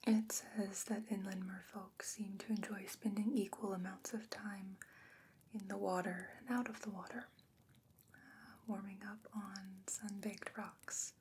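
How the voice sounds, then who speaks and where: A woman playing a gentle, patient fantasy scholar who defends merfolk, speaking in a hushed, measured, explanatory way in a whispered ASMR roleplay. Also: mid-range voice, flat delivery, slight background noise, close to an everyday voice. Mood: calm, studious.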